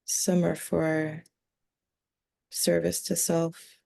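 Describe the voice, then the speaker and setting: A woman in a seance trance voices a calm alien collective, low and gravelly. The phrases are short, formal and solemn, delivered very slowly with long breaks, as a channeling medium does. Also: exaggerated voice. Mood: solemn, detached. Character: collective of six calm extraterrestrial beings channeled through a medium.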